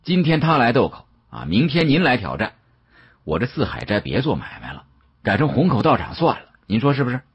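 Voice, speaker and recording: A man as a husky, wry shopkeeper. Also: mid-range voice, huge pitch swings, a little fast, highs cut off, pitched above the performer's own voice, full character voice. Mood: sarcastic. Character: guarded, plain-spoken male antiques shopkeeper.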